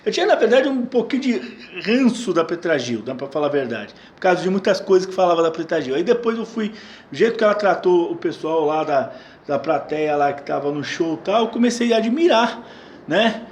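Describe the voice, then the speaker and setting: A man from Brazil chats loosely through viewer questions. He restarts his sentences often and repeats words as he goes. His voice sits fairly high, and the room around him rings with echo. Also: animated, brisk. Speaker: channel host answering viewer questions. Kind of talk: casual Q&A chat. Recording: echoey room.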